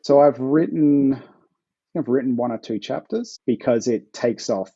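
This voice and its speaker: An Australian man, an author guest, talking in a relaxed, hesitant way with plenty of fillers. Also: medium pitch, measured pace, breathy edge, no room sound, lo-fi sound. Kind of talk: casual interview chat.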